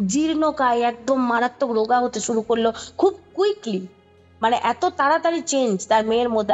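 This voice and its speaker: High-voiced Bengali woman telling a story. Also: dull audio. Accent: Kolkata Bengali. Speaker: podcast guest recounting a ghost story. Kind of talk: conversational spoken storytelling.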